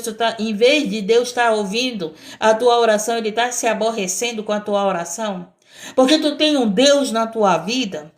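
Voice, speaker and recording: A woman missionary preaching a sermon, emphatic and repetitive, often breaking in with praise. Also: on the high side.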